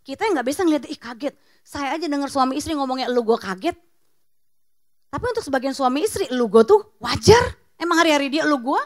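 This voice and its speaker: A woman pastor giving a lively, conversational sermon full of rhetorical questions and casual slang. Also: sits high, fast. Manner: teasing, slips into casual slang.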